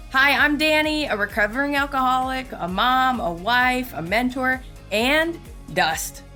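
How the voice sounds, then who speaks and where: A woman's voice: high-pitched, pushed and bright. A woman opening her faith podcast with a scripted, earnest and encouraging intro. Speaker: podcast host. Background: intro music.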